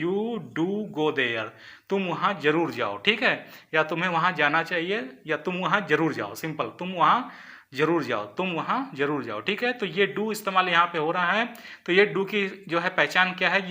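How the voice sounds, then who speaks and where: A man's voice: a little high, sharp tone. A man teaching an exam-prep grammar lesson, explaining step by step, repeating points and often checking in with "okay". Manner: mixes English terms into Hindi explanations.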